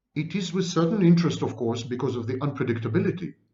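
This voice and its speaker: A fairly high-pitched man's voice with vocal fry and lively intonation. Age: 60s. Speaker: psychology professor. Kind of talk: monologue.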